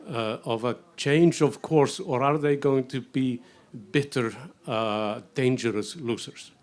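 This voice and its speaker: A man with an Icelandic accent putting a question from the audience in a measured, halting way. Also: medium pitch. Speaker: audience member asking a question. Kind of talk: spoken question at a public discussion.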